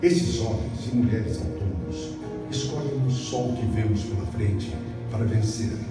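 A middle-aged man giving a motivational opening speech, measured and emphatic with dramatic pauses. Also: fairly low pitch. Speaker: motivational speaker. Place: video on a screen in a dark event hall. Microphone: phone filming the screen from the audience. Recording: echoey hall from far off with music.

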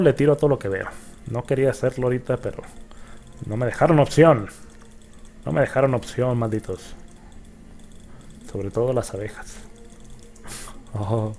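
A young man talks through a hard video game in a gravelly, creaky voice. He jumps between muttering to himself and sudden yelps and curses whenever the game goes wrong. His pitch sits right in the middle for a man. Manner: excitable, swears and yelps at the game. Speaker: gaming YouTuber. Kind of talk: let's play commentary.

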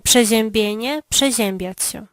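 A woman answering drill prompts in a language lesson, speaking slowly and clearly. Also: fairly high pitch, no echo.

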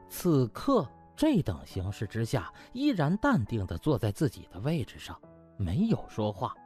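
A man's voice: mid-range voice, a little mellow. Guy reading a comic audiobook, super dramatic and swoopy, bit of music behind. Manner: theatrical, storyteller-like delivery. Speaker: audiobook narrator. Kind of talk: dramatic comic scripted narration.

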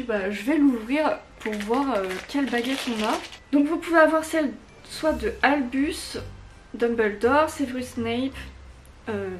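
A young woman chatting casually through a gift review vlog, enthusiastic and full of little hesitations, filmed at home. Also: high voice. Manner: chatty, frequent hesitations, enthusiastic about small items. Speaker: YouTuber reviewing gifts. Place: home room full of fairy lights.

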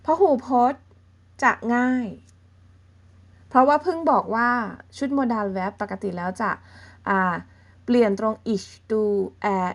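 A woman teaching a beginner language lesson, explaining patiently step by step and often checking in with her listeners. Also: on the high side. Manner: patient, explains slowly and checks in with softening particles.

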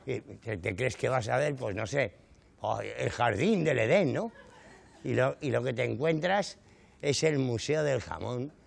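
Comedian with a gravelly voice. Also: male voice, mid-range voice, animated, a little slow, a little hiss or hum. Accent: Canary Islands Spanish. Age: middle-aged. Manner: exaggerated, indignant comic storytelling with rhetorical asides. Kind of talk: stand-up monologue. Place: studio stage before a live audience.

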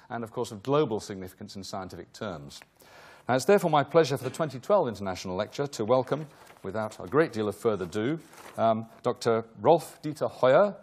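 A man welcoming an audience to a lecture in a hall, rambling a little with fillers and self-corrections. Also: medium pitch. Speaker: host introducing a lecture. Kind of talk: formal welcome and housekeeping.

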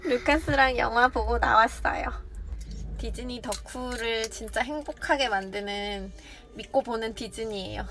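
Soft-spoken woman vlogging at home. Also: fairly high pitch, unhurried. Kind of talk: casual vlog narration. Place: home indoors.

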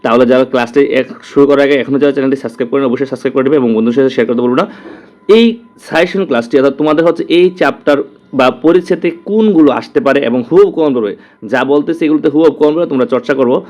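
A man's voice: medium pitch, very fast, darkish tone. A man with a Bangladeshi Bengali accent teaching an exam-prep lesson, repeating answers and correcting himself aloud. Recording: dull lo-fi audio.

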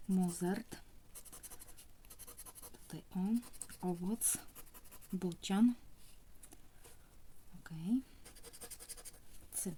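A young woman from Poland speaking softly, often almost whispering, as she scratches lottery tickets and comments casually. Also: on the low side, extremely slow, pauses often, a little hiss or hum.

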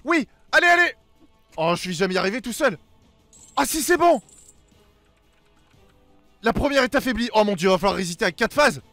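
A young man giving excited let's play commentary, exclaiming and talking to himself as he reacts. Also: high voice, moderate pace, pauses often, no room sound, faint music behind. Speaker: gaming video host.

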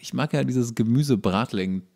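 A man in his thirties co-hosting a casual podcast, making dry, deadpan quips with hesitant fillers. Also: medium pitch, moderate pace, vocal fry. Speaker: podcast co-host. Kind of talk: casual chat.

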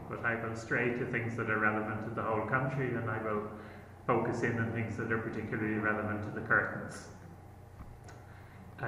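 A middle-aged Irish man giving a history lecture to a gathering, with a relaxed manner that tends to digress into stories. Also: mid-range voice, slight background noise. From Ireland. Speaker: genealogy lecturer. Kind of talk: public lecture with slides. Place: hotel function room. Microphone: laptop screen recording, far from speaker. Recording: echoey distant hall audio.

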